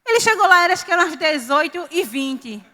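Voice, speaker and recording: A woman from Northeastern Brazil preaching a sermon, telling a personal story with lively quoted dialogue. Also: very high voice, fast talker. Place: church hall. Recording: reverberant church hall.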